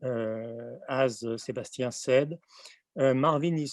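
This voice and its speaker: The man's voice, with a French accent, has a dry, close sound with no echo. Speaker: architecture theorist, academic. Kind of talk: reading aloud an introduction. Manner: halting, stammering.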